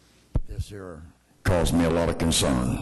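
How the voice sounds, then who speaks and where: At a moderate pace, a man speaks with a very deep, low pitch, amid audible room echo and noticeable background noise. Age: 70s. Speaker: citizen speaker at public comment. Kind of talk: public comment at city council meeting.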